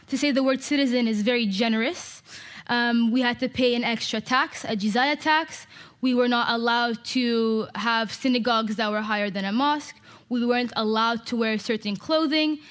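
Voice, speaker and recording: Canadian woman, fairly high voice, passionate speech to a crowd, lots of emphasis. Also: fairly bright tone. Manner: impassioned, emphatic. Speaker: speaker. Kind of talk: public talk to an audience.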